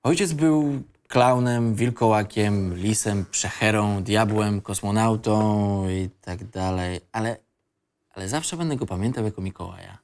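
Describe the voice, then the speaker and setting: A man's voice: lowish voice, a little slow, a little mellow. An actor playing a reflective man of twenty-five who recalls his childhood in an audio drama.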